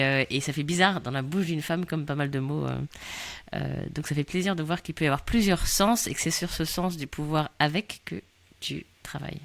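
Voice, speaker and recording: A woman's voice: low voice, a bit bright. A woman hosting a podcast interview, reading a prepared introduction and asking her guest questions. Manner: reads a prepared introduction, then asks friendly questions. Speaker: podcast host.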